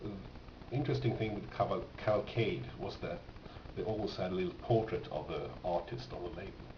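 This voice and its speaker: The amateur room recording is dull, noisy and echoey. In it, a man with a low-sitting voice and a Swedish accent, a native Swedish speaker, casually presents items from his record collection. His speech is halting, often pausing mid-sentence, in an unscripted show-and-tell.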